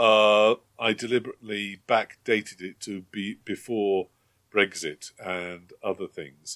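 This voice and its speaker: On a very clean recording with a silent background and a dry, close sound with no echo, a man with a plain, everyday voice speaks at a fairly slow pace in a fairly low pitch. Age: 60s. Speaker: podcast host. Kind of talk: casual chat.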